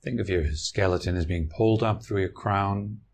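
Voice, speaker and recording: Calm, very deep-voiced male meditation guide. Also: gravelly, a little hiss or hum. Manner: slow, calm, with long pauses between phrases. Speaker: meditation teacher.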